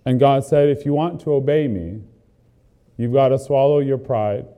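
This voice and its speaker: A man's voice: medium pitch, normal speed, phone-quality sound. A man preaching a sermon, earnest and building emphasis through repeated phrases. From not from the country he is preaching in.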